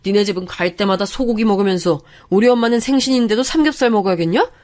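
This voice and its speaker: A woman voicing an angry young husband who shouts accusations at his wife. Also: mid-range voice, quick pace, natural voice. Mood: angry shouting. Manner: yelling, accusatory.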